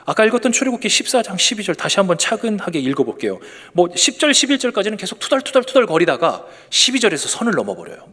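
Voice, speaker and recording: A young man preaching to his congregation, his fairly high voice rising and falling with animated swings. He reads scripture and then slips into relaxed, joking asides. The long reverb of a church hall trails behind his words. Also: husky. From South Korea. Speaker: pastor. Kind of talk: sermon. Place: church sanctuary.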